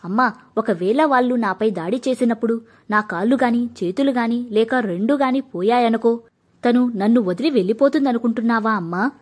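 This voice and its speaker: A woman voicing an earnest, injured young married man who pleads gently but firmly. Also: on the high side, fairly quick, lightly acted. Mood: pained, earnest. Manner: pleading, firm.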